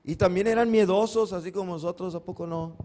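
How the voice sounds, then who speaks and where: A man's voice: high voice, steady tone, a little fast, darkish tone. A male pastor giving a Sunday sermon, posing questions to the congregation and answering them himself, acting out the cries of the Bible figures. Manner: acts out biblical cries dramatically.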